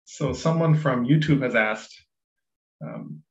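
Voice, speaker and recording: A man from Ethiopia, a native Amharic speaker, moderates an online panel at a measured pace with plenty of fillers. His voice is gravelly. The sound is dull and echoey, as from a bare room. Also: mid-range voice, sing-song.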